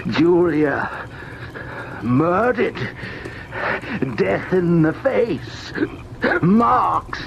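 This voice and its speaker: A tormented husband confesses in an old-time radio ghost story, his gravelly voice haunted and possessed. He halts and repeats himself, pitch swinging widely between hushed dread and frenzy. The old recording is thick with noise. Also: highs cut off, full character voice. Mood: haunted, despairing, then anguished terror.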